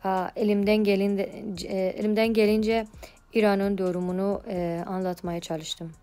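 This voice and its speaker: A woman's voice: mid-range voice, level tone, moderate pace, warm tone, faint music behind. A woman with an Iranian accent giving a prepared report in a foreigner's broken Turkish with grammatical slips.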